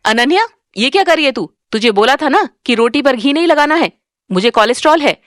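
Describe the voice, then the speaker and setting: A woman voicing a cruel, scolding middle-aged stepmother in an animated story. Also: high voice, brisk, dry recording, clean studio sound, pitched above the performer's own voice. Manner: scolding, sneering.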